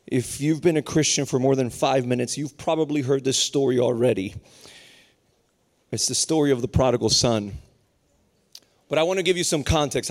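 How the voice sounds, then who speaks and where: A man in his thirties from Puerto Rico, preaching a sermon with humor and rising intensity. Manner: lively, humorous preaching that climbs higher and more intense as it goes. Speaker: pastor.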